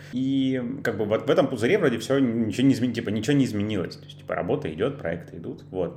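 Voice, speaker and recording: A man talking at a fairly quick pace, with audible echo from the room. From Russia. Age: 30s. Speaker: podcast co-host. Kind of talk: casual chat.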